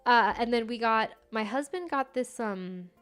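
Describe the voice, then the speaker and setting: A woman's voice: fairly high pitch, unhurried, a bit bright, clear, resonant tone, soft background music. A young woman whose first language is Farsi, chatting casually and giggling often as she hosts a stream. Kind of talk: casual live-stream chat.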